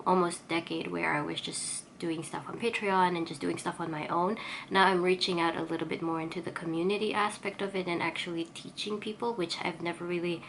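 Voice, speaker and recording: A woman's voice: fairly low pitch, vocal fry, fairly bright tone, a little hiss or hum, rough recording. A woman vlogger with a congested, sniffly voice, giving a casual, rambling, self-effacing update on her day. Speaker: vlogger and artist. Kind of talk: casual chatty vlog update.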